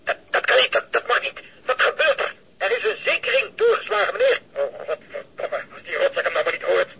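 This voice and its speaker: A man acting an excitable police lookout reporting urgently in a Dutch radio drama. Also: high voice, fairly quick, gravelly, full character voice. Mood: alarmed. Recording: muffled, noisy, sirens and radio behind.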